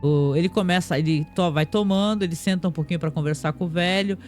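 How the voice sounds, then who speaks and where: Brief: male podcast host, high voice, chatty recap full of restarts, faint music under. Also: quick pace, darkish tone. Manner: chatty, frequent tag questions and restarts. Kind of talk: casual plot recap.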